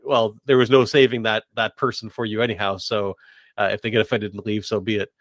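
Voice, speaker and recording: A man hosting a casual interview, speaking haltingly and rephrasing his thoughts and questions as he goes. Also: fairly low pitch, little pitch movement, dry recording. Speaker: podcast host, interviewer.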